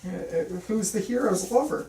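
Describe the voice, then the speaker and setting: Lively-pitched man reading dialogue, echoey room. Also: normal speed, noisy background. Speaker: table read participant playing a young film student. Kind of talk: amateur table read, casual dialogue. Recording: echoey room, distant mic.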